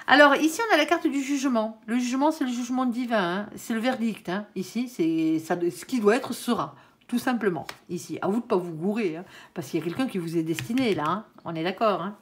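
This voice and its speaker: A woman's voice: medium pitch, brisk. A woman doing a casual tarot card reading, chatty and peppered with "hein", talking straight to her viewers. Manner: addresses viewers and her angel directly. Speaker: tarot reader.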